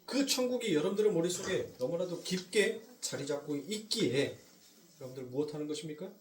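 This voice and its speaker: A male pastor with a Jeolla accent preaching a sermon, swinging from loud emphasis to near whispers and slowing down on key points. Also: a little high, expressive, echoey room, far from the mic, slight background noise. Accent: Jeolla Korean. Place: church sanctuary.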